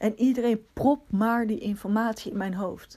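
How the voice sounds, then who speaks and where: Speaking at a fairly slow pace, a woman uses a fairly high pitch and fairly even intonation, her tone dark and mellow and somewhat breathy. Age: 20s. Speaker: coach for people with language disorders. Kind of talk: personal monologue podcast. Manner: halting, with many fillers.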